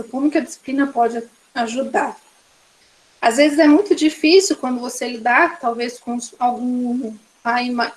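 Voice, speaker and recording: A woman with a Brazilian Portuguese accent delivers an online course lecture. Her voice sits high for a woman. She explains each point by listing one example after another. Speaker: course instructor.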